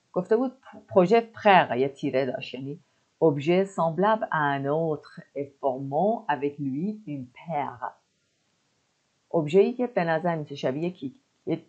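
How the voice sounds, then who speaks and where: A woman teaching French. She explains words in Persian and repeats French phrases slowly and carefully. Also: deep voice, mellow, dull audio. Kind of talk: explaining a language lesson.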